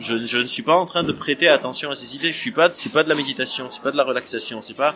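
With a plain, everyday voice, a man talks at a fairly quick pace in a fairly high pitch. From Lebanon. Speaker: neuroscientist and clinical psychologist. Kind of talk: casual interview.

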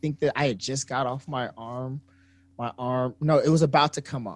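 A man with an ordinary speaking voice talks at a moderate pace and medium pitch with fairly even intonation. The recording is very clean with a silent background. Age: 30s. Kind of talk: casual chat.

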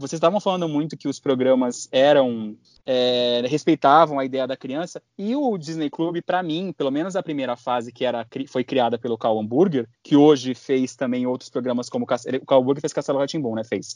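A man speaks at a medium pitch and a moderate pace, with hardly any pauses and ordinary pitch variation. It is a plain, everyday voice, recorded with a dry, close sound with no echo over a quiet background. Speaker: podcast co-host. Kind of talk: casual chat.

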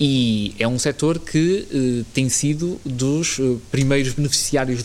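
This is an unremarkable speaking voice. Its pitch variation is ordinary. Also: man. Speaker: government secretary of state, politician. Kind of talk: interview. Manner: formal.

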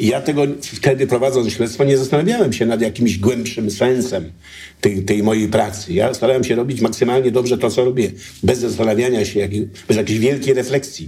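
A man talks at a fairly quick pace and medium pitch with ordinary pitch variation. His loudness stays very even over noticeable background noise. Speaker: retired police officer. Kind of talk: interview conversation.

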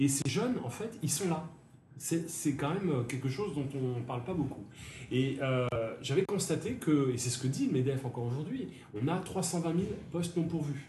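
There is audible room echo around a man's fairly high voice. His intonation is lively. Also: moderate pace. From France, Seine-Saint-Denis (Paris suburbs). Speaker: social entrepreneur, recruitment agency founder. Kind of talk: interview on a live show. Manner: hesitant, with frequent repetitions.

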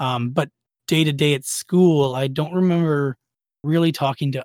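A plain, everyday voice moves at a fairly slow pace with ordinary pitch variation, the sound dry and close with no echo. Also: man. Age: 30s. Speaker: gamer and content creator. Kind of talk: casual interview.

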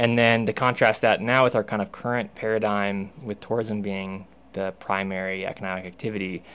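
Fairly quick with hardly any pauses, a man with an American accent speaks at a fairly low pitch in a monotone, flat intonation. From Utah, Salt Lake City. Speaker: county business development official. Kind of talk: radio interview.

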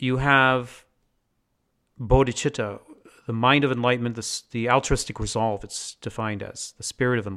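A man's bright, sharp tone at a medium pitch and moderate pace, with ordinary pitch variation, in a very clean recording with a silent background. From Hong Kong. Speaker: psychotherapist and Buddhist teacher. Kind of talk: casual chat.

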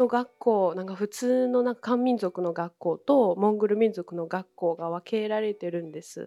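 A dark, mellow tone at a fairly slow pace, with lively intonation and a dry, close sound free of echo. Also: woman. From Inner Mongolia, China. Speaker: former student, working professional. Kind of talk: interview answers.

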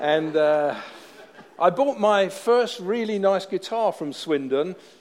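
A man with a West Country accent, at a very slow pace. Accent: West Country English (Bristol). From Bristol, south-west England. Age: 60s. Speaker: pastor. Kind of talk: sermon. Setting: church.

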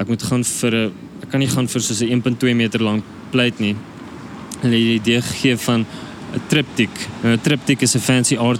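A man's medium-pitched, monotone, flat voice at a moderate pace, with long, frequent pauses and noticeable background noise. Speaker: visual artist. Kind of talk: casual interview.

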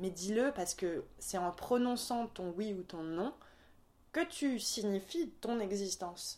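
Very slowly and with lively intonation, a woman of medium pitch speaks in a dark, mellow tone on a very clean recording with a silent background. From Paris, France. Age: 20s. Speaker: author and film director. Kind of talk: interview. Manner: hesitant, many fillers.

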